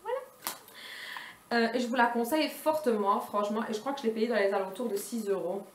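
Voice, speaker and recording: A woman's voice: fairly high pitch, brisk. A woman vlogger showing off a beauty haul in a casual, rambling chat full of hesitations. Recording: roomy echo.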